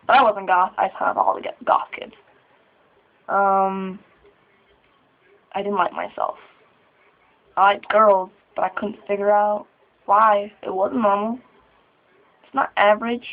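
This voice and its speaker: A nervous 21-year-old trans man speaking haltingly in a personal vlog, sighing and laughing between thoughts. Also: high voice. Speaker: vlogger. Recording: tinny phone-like sound.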